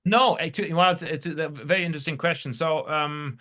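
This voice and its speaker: He's a German entrepreneur on a podcast, telling casual stories as an interviewee. The voice is bright and pitched high for a man, and the delivery is halting and meandering, full of repeated words.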